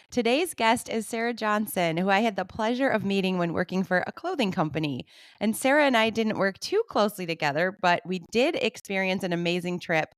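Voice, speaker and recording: A woman's voice: lowish voice, smooth, no room sound, studio quality. A woman in her forties from Michigan hosting an interview podcast, upbeat and gushing, with frequent laughs. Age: 40s. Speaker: podcast host. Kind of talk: warm interview chat.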